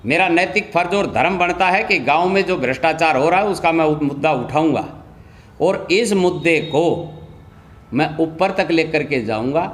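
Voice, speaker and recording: Higher-pitched man, insistent and accusatory. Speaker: local politician and anti-corruption campaigner. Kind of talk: press statement to reporters.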